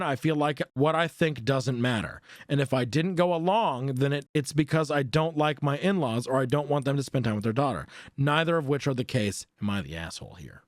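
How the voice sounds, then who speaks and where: A man's voice: fairly high pitch, dry recording, clean studio sound. A man streaming, reading forum posts aloud and breaking off to react, swear and laugh.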